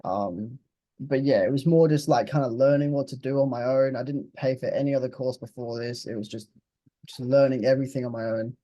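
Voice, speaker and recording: A man's voice: medium pitch, steady tone, a little fast, dark tone, dry recording, highs cut off. A man of twenty in a casual interview, talking bluntly and laid-back, dropping the odd swear word. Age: 20s. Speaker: interviewed client.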